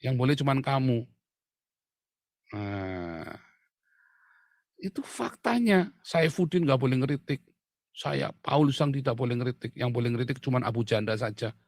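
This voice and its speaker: A man delivering an angry political rant, shouting insults and hammering points through repetition. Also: mid-range voice, animated, moderate pace, long pauses, no room sound, clean studio sound. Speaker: online commentator.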